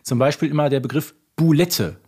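Husky man chatting on a podcast. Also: a little high, brisk, darkish tone. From North Rhine-Westphalia, Germany (Ruhr area). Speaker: podcast co-host. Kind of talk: casual conversational podcast discussion.

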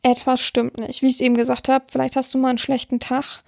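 A woman's voice: high voice, monotone, fast talker, vocal fry, darkish tone, no room sound, studio quality. A woman hosting a podcast, talking frankly in a chatty monologue full of fillers and restarts. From German-speaking region. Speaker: podcast host, dominatrix.

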